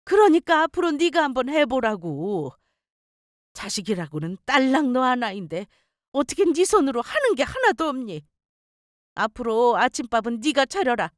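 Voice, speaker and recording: Woman doing a nagging older mom, high shrill scolding that jumps all over, dry close sound. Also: very animated, moderate pace, no room sound. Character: scolding older mother-in-law, guilt-tripping and demanding.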